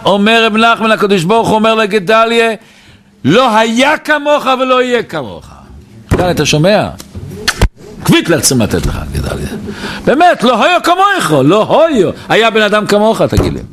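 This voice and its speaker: Brief: male Hasidic storyteller, lively swooping delivery, a bit higher voice, faint noise behind. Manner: animated, repeats phrases, addresses listeners directly. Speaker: Hasidic teacher at a gathering. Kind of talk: storytelling talk at a farbrengen.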